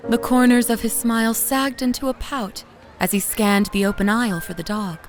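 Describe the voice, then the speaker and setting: An actress playing a loving, anxious young mother, narrating her memories in an expressive, conversational way for a scripted audio drama. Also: a little high, normal speed, lightly acted. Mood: fond, relieved. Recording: faint music behind narration.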